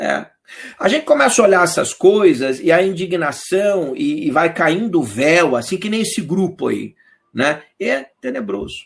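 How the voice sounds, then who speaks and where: The delivery runs fairly slowly. Its pitch rises and falls over a very wide range. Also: man, high pitch for a man. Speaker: YouTube channel host and history lecturer. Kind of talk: live-streamed lecture. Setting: live stream. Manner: halting, with repeated fillers.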